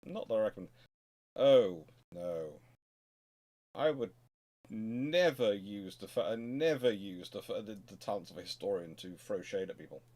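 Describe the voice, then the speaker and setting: A man's voice: on the low side, lively intonation, normal speed, a little mellow. A man hosting an informal history question-and-answer livestream, talking in a discursive, rambling way and often restarting his sentences. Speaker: host, naval historian.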